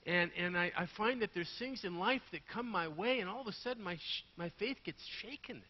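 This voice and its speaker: A man with a raspy, hoarse voice delivers a sermon in a church, his voice sitting a touch high. He moves between energetic loud passages and quiet, earnest asides. The sound is muffled and dull, with a long reverb from the hall. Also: fairly quick. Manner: animated, swings from loud to quiet intimate asides. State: hoarse from a sleepless night. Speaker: guest pastor. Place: church sanctuary.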